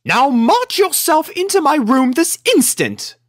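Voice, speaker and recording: A woman's voice: high-pitched, sing-song, a little slow, no echo, studio quality, voice pushed up. A woman voicing a prissy, dramatic lady pony with a fussy, scolding, theatrical manner, in a cartoon storybook style. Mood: stern, indignant. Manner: theatrical, indignant. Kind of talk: cartoon fan fiction character voice.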